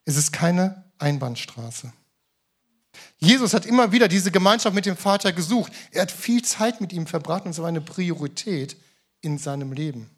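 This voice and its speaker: A man preaching with a slightly husky voice. His voice sits a touch high for a man. He swings between loud emphatic bursts and soft, almost murmured asides. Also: normal speed. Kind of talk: sermon. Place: church in Hamm.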